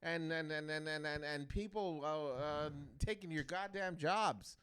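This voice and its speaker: A young man co-hosting a podcast, chatting casually in a loud, excitable and profane way. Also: fairly high pitch, measured pace, clear, resonant tone. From Canada. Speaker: podcast co-host.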